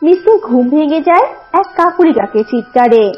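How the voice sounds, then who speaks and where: A woman's voice: high-pitched, animated, normal speed. A woman narrating a scripted cartoon story. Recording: dull lo-fi audio, music behind.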